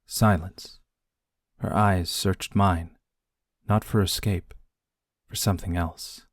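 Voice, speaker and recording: A man reading scripted audiobook narration in a measured, hushed way with deliberate dramatic pauses. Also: low voice, steady tone, no room sound, studio quality.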